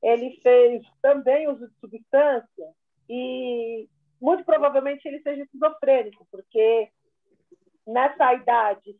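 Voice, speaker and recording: A woman who works as a nurse tells a testimony at a church women's meeting over a video call, in a casual storytelling way that keeps repeating "I said" as she retells her conversations. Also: high voice. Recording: tinny phone-like call audio.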